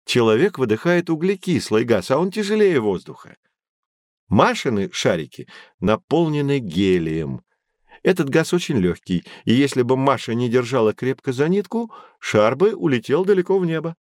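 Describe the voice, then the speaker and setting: An actor playing a patient professor who calmly explains things to children in a scripted educational audio drama. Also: male voice, medium pitch, moderate pace, no room sound, clean studio sound, lightly acted. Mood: explaining. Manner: calm, explanatory. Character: patient, knowledgeable male professor. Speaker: explaining guide in an audio encyclopedia.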